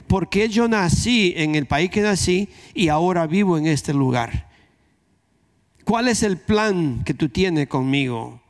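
A man's voice: high-pitched, animated, slow pace. A man with a Dominican accent preaching a conversational sermon, repeating key phrases for emphasis. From Dominican Republic.

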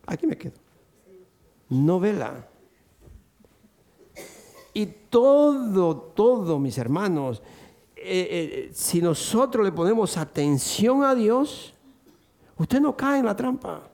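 Speaking slowly with long pauses, an older man preaches to a church congregation, performing the voices of those he quotes and breaking into high, excited bursts.

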